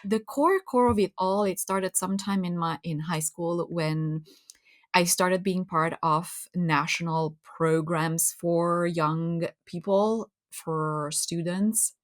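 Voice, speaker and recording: A woman's voice: on the low side, slow pace. A woman from Romania with a Romanian accent, a podcast guest speaking reflectively and earnestly, often restarting phrases and laughing. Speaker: guest, community builder. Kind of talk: podcast interview conversation.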